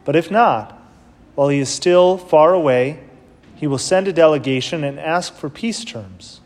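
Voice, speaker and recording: A man's voice: a little high, moderate pace, a little mellow. A man serving as priest, reading the gospel and then preaching a homily in a plain, conversational way, heard in a church with a cathedral echo. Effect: cathedral echo, long church reverb. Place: large church. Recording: long reverb of a big church.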